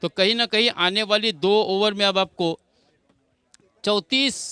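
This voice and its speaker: Man doing live cricket commentary, high pitched and crisp, explains stuff like he's talking to friends. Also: fairly even intonation, measured pace, sharp tone, no room sound. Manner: addresses viewers as friends, explanatory.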